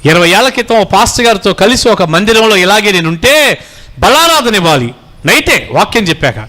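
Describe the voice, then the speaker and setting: A man's voice: high voice, very animated, brisk, pushed and bright. A pastor in his forties preaching a sermon, fatherly and exhorting, calling his listeners children and having them repeat phrases.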